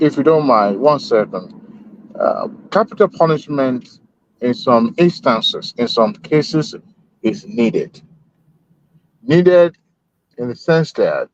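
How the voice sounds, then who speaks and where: A man in a group voice chat debate, heard over the call line, arguing in a measured way with many hesitation fillers. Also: mid-range voice, big pitch swings. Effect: heard over a group voice chat connection. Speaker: panel discussant. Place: at home in Texas. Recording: dull lo-fi online call audio.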